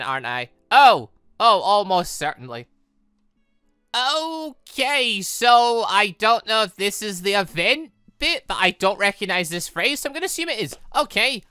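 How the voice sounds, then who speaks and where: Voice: mid-range voice, moderate pace, clean tone, no room sound, faint music behind. A gaming video host reading visual novel dialogue aloud and breaking off into offhand commentary. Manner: animated, breaks off into asides and stumbles while reading.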